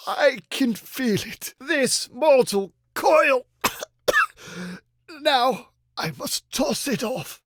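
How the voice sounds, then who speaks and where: Game role: flamboyant, pompous knight, high voice, wildly swooping pitch, archaic diction. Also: male voice, sharp tone, dry recording, studio quality, full character voice. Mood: dying, melodramatic. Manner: pompous, over-enunciated, theatrical. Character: pompous, bumbling, flamboyant male medieval knight. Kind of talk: theatrical mock-archaic video game voice lines.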